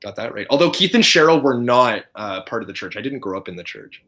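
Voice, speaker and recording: Guest, man from Canada, mid-pitched voice, earnest, gropes for words. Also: expressive, fast, sharp tone. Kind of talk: casual video chat.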